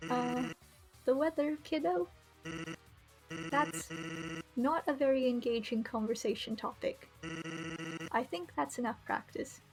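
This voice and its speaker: A woman's voice: sits high, unhurried, pauses often, soft background music, poor audio. A woman voicing a laid-back, joking male skeleton in a game, casual, teasing and reassuring. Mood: easygoing, teasing.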